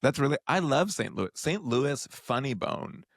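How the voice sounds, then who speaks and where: Gravelly, animated Colombian-born man. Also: measured pace, no echo, studio quality. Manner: animated, jumps up in pitch for quoted voices. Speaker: guest comedian. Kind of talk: casual podcast banter.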